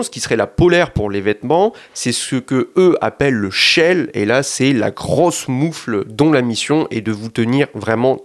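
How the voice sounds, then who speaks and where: A young man from France giving a casual product review, explaining things at length, addressing his viewers directly with frequent hesitations. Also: medium pitch. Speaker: photography gear reviewer.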